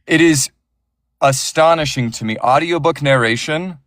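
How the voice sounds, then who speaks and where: A man's voice: on the high side, normal speed, a bit bright, dry recording, clean studio sound. A man who narrates audiobooks, talking passionately and with strong opinions in a casual interview, often restarting his sentences.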